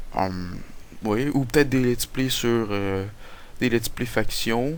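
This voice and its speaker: This voice belongs to a man and sits at a medium pitch. The rise and fall of his pitch is ordinary. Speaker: gaming youtuber. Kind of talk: gameplay commentary. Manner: halting.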